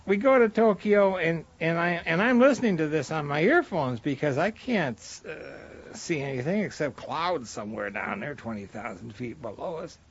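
A man's voice: fairly high pitch, moderate pace, hardly any pauses, breathy edge. An older American man, a war veteran, reminiscing casually and acting out remembered exchanges as he tells his story. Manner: animated storyteller, acts out remembered dialogue. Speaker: war veteran, former bomber crew member. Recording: dull lo-fi interview recording, faint noise.

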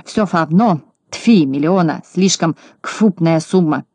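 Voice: mid-range voice, slow, darkish tone, no room sound. A reader voicing a miserly rich little male who grumbles, haggles and says F in place of R, in a dry audiobook recording. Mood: grumbling. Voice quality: lisp, says F instead of R. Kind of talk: audiobook narration.

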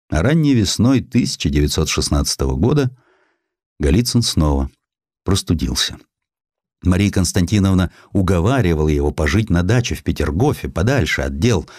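A man narrating a literary historical sketch as an audiobook, in an expressive, measured, dramatic storytelling manner. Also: low voice, dry recording, studio quality.

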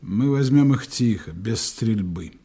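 An actor playing a smooth, authoritative German agent giving orders to his team in a radio play, speaking in calm, clipped tones. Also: fairly low pitch, a little slow, full character voice. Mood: commanding. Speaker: intelligence operative commanding a team.

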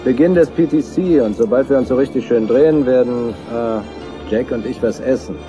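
A man's voice: medium pitch, normal speed, music in the background, lightly acted. A man acting a middle-aged spacecraft commander in a dubbed film, controlled under pressure as he gives radio reports. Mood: relaxed, hesitant.

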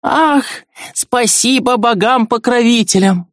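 A man voicing an emotional old woman who scolds and fusses in a shrill voice. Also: very animated, moderate pace, a little mellow, no echo, clean studio sound. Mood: overjoyed. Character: older woman, tearful and fussing.

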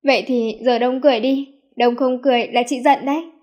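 Woman reading as a doting young pregnant woman, coaxing, affectionate, a bit high and lifted, storybook. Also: steady tone, fairly quick, darkish tone, close to an everyday voice. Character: gentle playful pregnant young woman, doting older sister figure.

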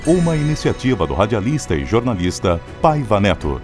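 Male radio announcer over clear music. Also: on the low side, big pitch swings. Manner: measured, formal broadcast delivery. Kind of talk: formal credits announcement.

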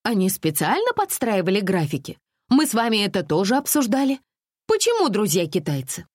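Woman putting on a shrill, petulant thirty-year-old. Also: big pitch swings, normal speed, a little mellow, no room sound, studio quality. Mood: indignant. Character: flighty demanding woman of thirty, Alice.

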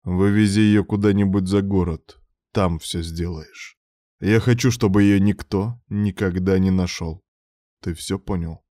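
A man's voice: low voice, steady tone, unhurried, mellow, dry recording, studio quality. A man voicing a cold, vengeful man who speaks with clipped, contemptuous menace in an audiobook. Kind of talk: audiobook character voice.

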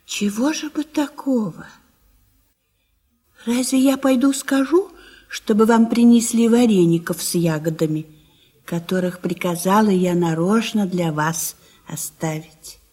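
An actress playing an attentive old country wife in a radio play, solicitous and gently coaxing. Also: female voice, mid-range voice, measured pace, breathy edge. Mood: caring, coaxing.

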